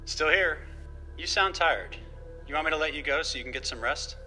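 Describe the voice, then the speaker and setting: An actor playing a worried, protective older father in an audio drama, gently cautioning and a little hesitant. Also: on the high side, moderate pace, soft background music. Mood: caring. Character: worried, protective older dad, homebody tinkerer. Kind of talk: naturalistic audio drama acting.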